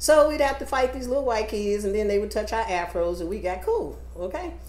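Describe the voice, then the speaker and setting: A woman talks at a fairly quick pace with lively intonation and a fairly high pitch. Noticeable background noise and audible room echo fill the recording. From Missouri, US Midwest. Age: 60s. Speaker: stand-up comedian. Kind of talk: casual chat.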